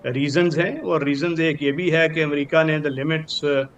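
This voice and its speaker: An older man with a Pakistani accent gives formal, measured news analysis as a guest expert, dropping in English terms. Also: fairly high pitch, fairly even intonation, fairly bright tone, dull audio. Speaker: retired brigadier, news analyst. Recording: clearly noisy with background ambience.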